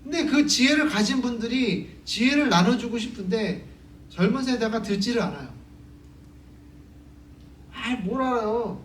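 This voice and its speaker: A man's voice: extremely high pitch, expressive, normal speed, fairly bright tone, slight background noise. A man preaching a Sunday sermon in a conversational way, asking the congregation questions and acting out stories. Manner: conversational preaching, acts out quotes. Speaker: pastor. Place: church sanctuary. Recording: echoey church hall from far off.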